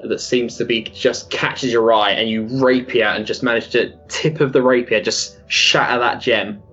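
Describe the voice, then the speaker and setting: A man narrates as game master of a tabletop game, loose and chatty, his descriptions full of fillers and little laughs. His pitch sits in the middle range. A faint music bed plays under him. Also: fairly even intonation, moderate pace, bright, forceful tone, breathy edge, muffled recording.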